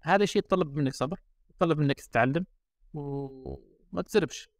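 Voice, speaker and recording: A man's voice: fairly high pitch, a little fast, no echo, clean studio sound. A man with an Algerian Arabic accent, a designer guest chatting casually on a podcast and mixing in English and French words. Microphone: remote call.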